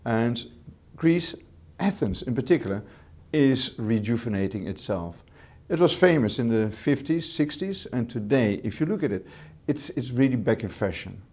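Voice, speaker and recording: A man with a Dutch accent, a hotel manager answering interview questions in English as a second language, measured, with repeated words and fillers. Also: medium pitch, expressive, darkish tone. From Netherlands.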